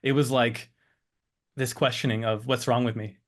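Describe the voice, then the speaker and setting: A man in his thirties, raised between Switzerland and the United States, tells his own story as a guest. He is reflective and hesitant, often pausing to find the next phrase. His voice stays in a medium male register. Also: medium pitch, little pitch movement. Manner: hesitant, searching for words. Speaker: interview guest.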